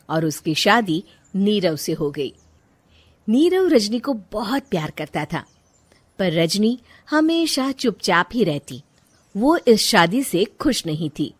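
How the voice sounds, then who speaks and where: A woman narrating a Hindi cartoon moral story in a calm storytelling way. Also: mid-range voice.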